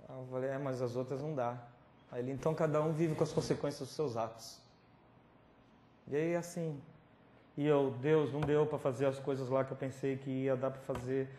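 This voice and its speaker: A man preaching a personal testimony, dramatic and theatrical, dropping to near whispers and then rising to loud pleading. His voice carries through a roomy hall with some echo. A faint hiss sits under the recording. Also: mid-range voice, fairly even intonation, moderate pace. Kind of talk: testimony sermon.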